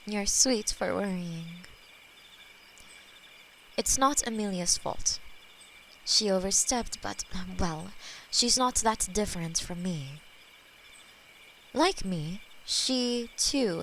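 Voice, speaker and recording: A woman voicing a centuries-old female demon who keeps a human as her pet, speaking slowly and intimately with a possessive edge. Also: mid-range voice, a little hiss or hum, rough recording. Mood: tender. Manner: slow, intimate, possessive, softly spoken. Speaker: voice actor in audio roleplay. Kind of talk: scripted audio roleplay.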